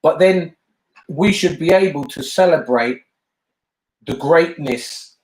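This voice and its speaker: A man's voice: on the high side, slow, darkish tone, reverberant, rough recording. An older man with a British accent, talking earnestly and emphatically in a casual family discussion, often repeating himself for emphasis. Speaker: bishop and family talk host.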